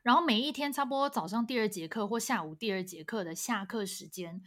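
A woman, co-hosting a casual chat podcast and responding warmly with her own stories. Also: medium pitch, fairly quick. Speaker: podcast co-host.

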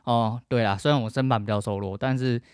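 Middle-aged taiwanese guy ranting on his podcast, talks fast, blunt and sweary, dry close sound. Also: medium pitch, fairly even intonation, smooth, dry recording. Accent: Taiwanese Mandarin. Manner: blunt, profane and emphatic. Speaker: podcast host. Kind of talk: casual podcast rant.

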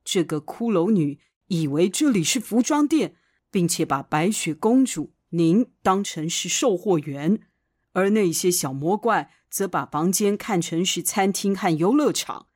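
A woman voicing a solemn, all-knowing magic mirror in a fairy tale, speaking formally and with measured explanation in a breathy, husky voice. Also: lowish voice, lively intonation, darkish tone, no room sound, studio quality, voice pushed down.

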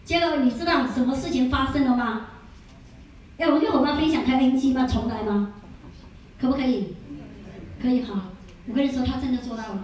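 A high-pitched woman gives a chatty sales seminar, laughing and firing questions at her audience. Her voice rings around a very echoey room. She sits far from the microphone, over a faint hum of ambience. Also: brisk, long pauses, a little mellow. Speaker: skincare sales consultant giving a seminar. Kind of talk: lively storytelling lecture.

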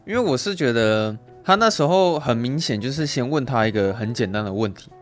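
A man's voice: medium pitch, animated, a little fast, faint music behind. A man, co-hosting a casual film chat, laughing often, swearing now and then and acting out quotes. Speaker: podcast co-host.

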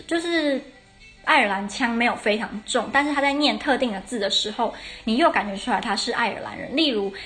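A young woman talks through a casual podcast lesson, her voice sitting a little high. She explains step by step and often stops to correct herself mid-sentence. Faint traditional Irish music plays softly behind her. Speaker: podcast host.

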